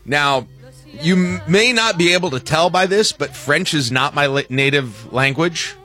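On a morning radio show, an American host jokes through casual banter, correcting himself haltingly, his mouth close to a studio microphone. His voice is a little high, expressive, and sharp in tone.

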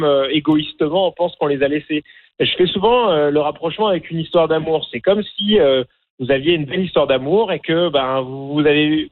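Hesitant French man on a phone line. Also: a little high. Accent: French from France. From France. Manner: hesitant, many fillers and restarts. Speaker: documentary filmmaker guest. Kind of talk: radio interview.

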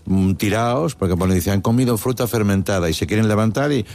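A man's voice: on the low side, quick pace, vocal fry, a little mellow. A man hosting a comedic chat show, reading listener questions in a playful, easily distracted way. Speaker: podcast host.

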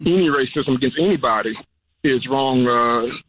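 A man's voice: medium pitch, normal speed, a little hiss or hum. A man calling in to a talk show over the phone, speaking earnestly and urging listeners to act. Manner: earnest, exhorting. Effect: heard over the phone. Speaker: caller. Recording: tinny phone line.

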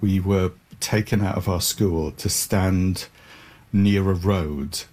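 Welsh guy in his 50s, low husky voice, stops and restarts a lot while thinking. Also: fairly even intonation, slow pace, darkish tone. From Wales. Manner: thoughtful, hesitant, self-correcting. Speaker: playwright, interview guest. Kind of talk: reflective interview answers.

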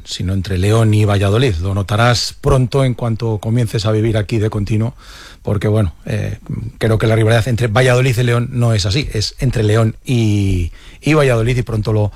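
A man presenting regional sports news on the radio, measured and pausing with frequent fillers. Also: on the low side, fairly even intonation, darkish tone, dry recording.

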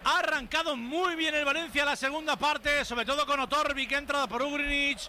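A man giving rapid, urgent live football commentary. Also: very high-pitched, steady tone, background noise. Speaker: match commentator.

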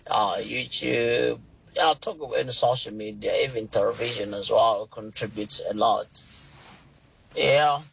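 A man's voice: mid-range voice, a little slow, gravelly, fairly bright tone, slight background noise, low-quality recording. A man from Malawi, an Uber driver, calling a radio show in earnest. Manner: earnest, repeats himself. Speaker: caller. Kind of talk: phone-in comment.

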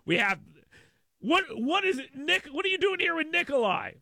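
A man's voice: extremely high pitch, big pitch swings, moderate pace, vocal fry, pushed and bright, no room sound. A man hosting a talk radio show with a brash, sarcastic, riffing manner. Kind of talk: talk radio monologue with live read ad.

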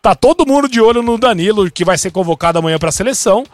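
A man hosts a football talk show. His voice is high, and he talks in a chatty, animated way, often restarting his sentences. The sound is dry and close. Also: quick pace, no room sound. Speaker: sports show host. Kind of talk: sports talk show discussion.

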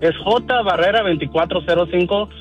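A man's voice: high-pitched, moderate pace, muffled recording, faint music behind. A middle-aged Mexican man with a Mexican accent, chatting as a radio guest in a folksy way with many fillers. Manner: warm, folksy, lots of fillers. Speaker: guest, car dealer. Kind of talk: casual radio interview.

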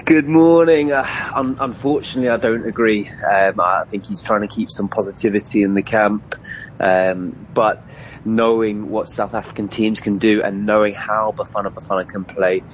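A man, a former player, giving measured football analysis with many fillers and restarts. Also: on the low side, fairly even intonation, a little hiss or hum, rough recording.

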